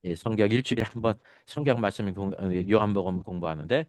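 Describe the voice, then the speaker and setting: A man's voice: lowish voice, quick pace, dry recording. A man teaching a Bible study as pastor, asking his listeners questions and answering them himself. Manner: drops to a soft, quiet tone when greeting members. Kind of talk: Bible lecture to a congregation.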